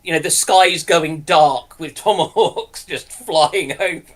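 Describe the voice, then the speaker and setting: A man with a voice a little higher than average chats as a co-host. He takes his time, speaking slowly and informally. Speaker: co-host in a discussion. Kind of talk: casual chat.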